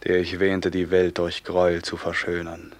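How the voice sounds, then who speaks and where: A man's voice: low voice, completely flat delivery, normal speed, lightly acted. A man playing a remorseful robber captain. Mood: bitter. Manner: intense, declamatory. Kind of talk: classic radio play acting.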